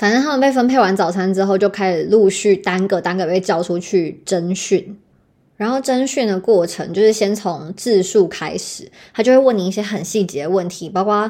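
A woman with a Taiwanese accent, medium pitch, moderate pace, dark and mellow tone and ordinary pitch variation, in a very clean recording with a silent background. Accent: Taiwanese Mandarin. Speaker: podcast host. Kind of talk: storytelling monologue.

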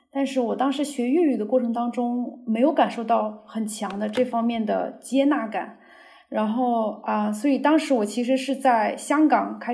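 Speaking at a moderate pace, a woman has a fairly high pitch and a dark, mellow tone. Her intonation is fairly even, and audible room echo surrounds her. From northern China. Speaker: journalist and researcher. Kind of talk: interview. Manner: halting, many fillers.

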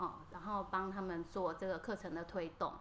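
A woman of medium pitch speaks with fairly even intonation in a room with audible echo. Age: 40s. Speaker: spiritual teacher. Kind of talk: casual chat.

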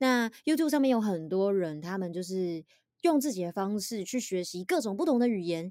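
Her pitch swings very widely as the woman talks at a fairly quick pace. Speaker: podcast host. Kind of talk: casual chat. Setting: remote audio call. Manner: excitable.

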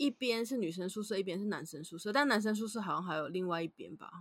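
At a fairly quick pace, a woman with a normal speaking voice holds a medium pitch that varies in an ordinary way. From Taiwan. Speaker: office worker, podcast co-host. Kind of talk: casual chat.

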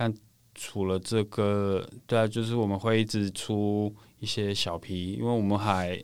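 Talking at a fairly slow pace with a non-native accent, the speaker keeps a monotone, flat intonation. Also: man, fairly low pitch for a man. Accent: foreign accent in Mandarin. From Colombia. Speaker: craft brewery founder. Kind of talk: casual interview. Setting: studio. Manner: halting.

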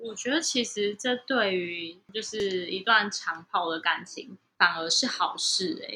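The voice has a bright, sharp tone and lively intonation, going at a very slow pace with hardly any pauses. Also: woman, medium pitch for a woman. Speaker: flight attendant. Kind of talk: casual chat.

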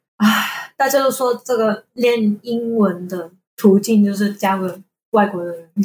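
A woman with a Cantonese accent, somewhat breathy, medium in pitch, with fairly even intonation and a fairly slow pace. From Hong Kong. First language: Cantonese (speaking Chinese). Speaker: podcast guest learning English. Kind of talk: casual chat.

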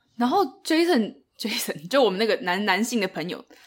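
Her pitch swings very widely around a fairly high level. The woman is recorded very cleanly against a silent background. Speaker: podcast co-host, travel writer. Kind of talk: casual chat.

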